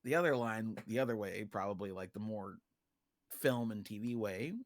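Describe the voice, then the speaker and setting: A man's voice: on the low side, normal speed, dry recording, studio quality. A man talking casually on a livestream as a guest writer and director, explaining things in an informal, joking way.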